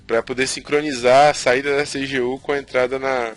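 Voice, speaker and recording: A man's voice: medium pitch, flat delivery, a little fast. A male co-host chatting casually, filling his sentences with "né" and friendly asides. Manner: chatty, with many "né" fillers. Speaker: podcast co-host. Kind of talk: casual podcast chat.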